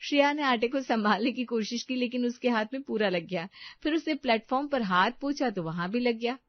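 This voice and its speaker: A woman narrating a cartoon story in a steady storytelling manner. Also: fairly high pitch, a little fast, dry recording, muffled recording.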